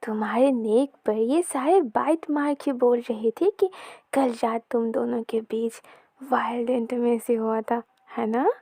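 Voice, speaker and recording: A woman's voice: fairly high pitch, a little slow, mellow, dry recording, studio quality. A woman voicing a playful young woman friend who teases her roommate. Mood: teasing. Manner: playful, teasing.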